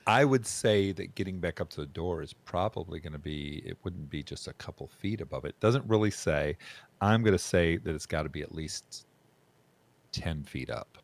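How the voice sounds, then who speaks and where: A man's voice: sits low, moderate pace, vocal fry. A man acting as game master in a casual tabletop roleplaying session, speaking with amused teasing.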